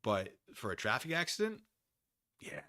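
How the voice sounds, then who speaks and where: Man, American accent, bright voice, highly varied intonation, theatrical reading, wry digressive asides, excitable streamer, dry close sound. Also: moderate pace, no room sound. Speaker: online streamer reading a document with commentary. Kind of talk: dramatic document reading with casual off-the-cuff asides.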